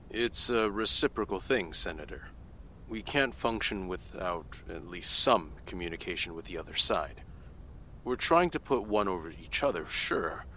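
A man's voice: low voice, bright, forceful tone, slight background noise. An actor playing a male government analyst giving testimony in a casual, offhand manner. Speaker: CIA technical analyst testifying. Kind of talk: audio drama acting.

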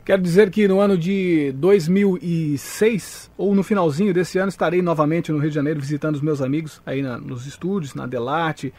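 A man's voice: fairly high pitch, brisk, hardly any pauses, mellow, no echo. A Brazilian man hosting a live radio interview, formal and respectful in his announcing. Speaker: radio host.

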